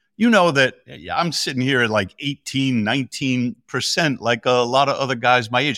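In a very clean recording with a silent background, a man uses an ordinary speaking voice at medium pitch. His pace is moderate, and the sound is dry and close with no echo. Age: 50s. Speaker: cold therapy expert, ice bath company CEO. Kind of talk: interview conversation.

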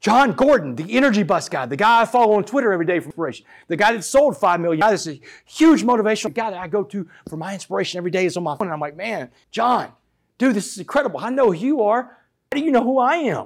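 Talking very fast in a Texan accent, a man uses a high pitch, very wide pitch swings and an animated tone on a very clean recording with a silent background. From southeast Texas, Port Arthur. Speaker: motivational speaker. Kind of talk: keynote speech.

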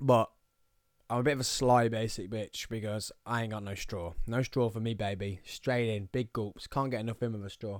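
A man with a Birmingham accent speaks at a moderate pace in an animated tone. The sound is dry and close, with no echo. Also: medium pitch for a man. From Birmingham, English Midlands. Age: young. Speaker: podcast host. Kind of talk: casual chat. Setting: studio.

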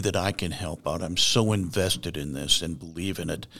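This recording is very clean, with a silent background. A man is the speaker. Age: 70s. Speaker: social caseworker, military retiree. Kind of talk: casual interview.

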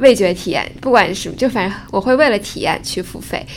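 A woman with an ordinary speaking voice talks at a fairly quick pace with fairly even intonation. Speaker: graduate student. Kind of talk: casual chat.

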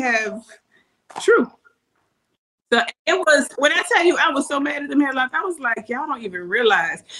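A woman speaks in a raised, projected voice with a high pitch and a bright, sharp tone. Her intonation is lively, broken by long, frequent pauses. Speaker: entrepreneur and reality TV personality. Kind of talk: casual interview.

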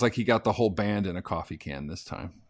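Heard in a very clean recording with a silent background, a man with a Californian accent makes very wide pitch swings. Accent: Californian American. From Sacramento, California. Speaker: actor and musician. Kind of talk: casual chat. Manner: halting, many repetitions.

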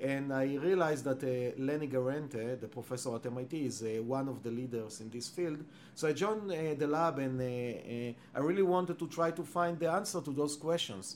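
Hardly pausing at all, a man talks at a moderate pace. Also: fairly high pitch for a man, ordinary pitch variation. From Israel. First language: Hebrew. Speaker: scientist and company founder. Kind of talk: interview. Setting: office. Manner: halting.

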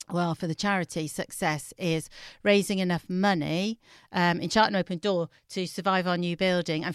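Someone talks at a fairly quick pace with a West Country accent, in a very clean recording with a silent background and a dry, close sound with no echo. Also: woman. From Gloucester, England. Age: 50s. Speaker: charity volunteer and former school music teacher. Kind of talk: podcast interview. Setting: studio.

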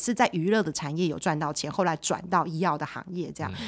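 A woman speaks very fast at a medium pitch, her pitch varying in an ordinary way, on a very clean recording with a silent background. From Taipei, Taiwan. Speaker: financial news reporter co-hosting podcast. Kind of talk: casual chat.

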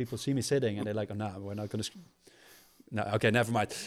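With a Dutch accent, a man talks at a very fast pace using fairly even intonation. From Netherlands. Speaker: YouTuber and author. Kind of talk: casual interview chat. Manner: laughs often, relaxed, sometimes searching for words.

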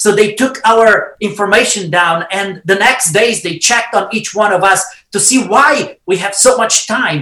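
With a Romanian accent, a man speaks in a raised, projected voice at a high pitch, with an enthusiastic tone, ordinary pitch variation and a fairly slow pace. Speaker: immigration lawyer and former pastor. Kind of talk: personal testimony in interview.

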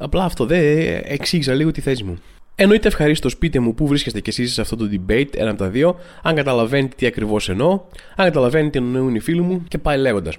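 Speaking at a very fast pace, a man sounds animated. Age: 30s. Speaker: podcast host and stand-up comedian. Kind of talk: casual comedic monologue.

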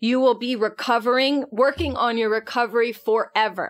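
The recording is very clean with a silent background as a woman talks at a moderate pace with ordinary pitch variation. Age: 30s. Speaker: alternative recovery coach. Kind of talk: interview about personal recovery story.

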